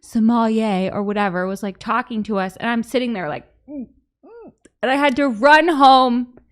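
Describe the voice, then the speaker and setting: A woman hosting a podcast, chatting casually in bubbly, quick bursts. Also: fairly high pitch, clean tone. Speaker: host.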